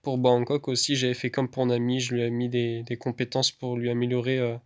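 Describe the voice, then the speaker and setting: A man's voice: medium pitch, brisk. A man giving a casual voice-over commentary on gameplay, hesitant and chatty, with many fillers and restarts. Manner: relaxed, chatty. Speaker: gaming YouTuber.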